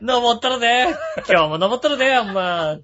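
Man putting on a loud Osaka-accent comic for radio banter, pitched up, brash, muffled noisy sound. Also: expressive, normal speed, heavily acted. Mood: brash, joking. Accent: put-on Osaka. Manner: brash, exaggerated catchphrase delivery. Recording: dull, clearly noisy recording.

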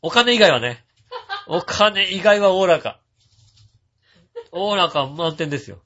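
A man hosting a radio show, reading listener messages and chatting about them in a relaxed, rambling way with frequent chuckles. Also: high-pitched, measured pace, slight background noise. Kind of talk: casual chat. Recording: dull lo-fi sound.

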